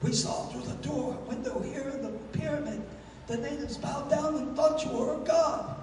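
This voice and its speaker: Man playing an excitable, high-voiced tribal king. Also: normal speed. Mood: awed. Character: excitable tribal king, wary, awestruck father. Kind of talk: 1930s pulp radio drama acting. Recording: noisy, very echoey, distant hall.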